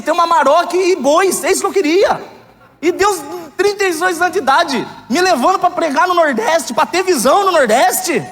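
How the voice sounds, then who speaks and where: Brief: male preacher, thirties, high-pitched voice, joking candid delivery, church hall with long reverb. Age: 30s. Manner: candid, joking, rising to loud emphatic outbursts. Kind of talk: sermon.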